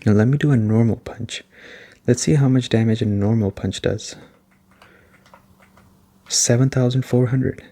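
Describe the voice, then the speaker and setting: Male ASMR gaming reviewer: soft-spoken, warm and relaxed tone, informal rambling explanations. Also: medium pitch, a little slow, long pauses. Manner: rambling, explanatory, often checking in with "right?".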